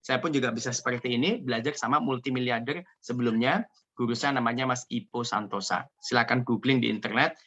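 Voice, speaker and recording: A man from Indonesia giving an energetic, joking motivational business talk over a video call. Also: medium pitch, fairly quick, muffled recording. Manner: energetic, joking, repeats "ya" often. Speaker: seminar speaker.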